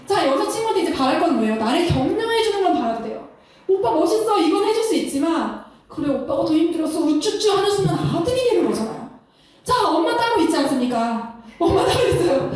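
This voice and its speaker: Woman, high lively voice, Christian counselor, animated lecture, laughs a lot, very echoey room, a bit off-mic. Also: far from the mic. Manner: animated, laughs often, acts out couples' lines. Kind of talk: lecture-style talk.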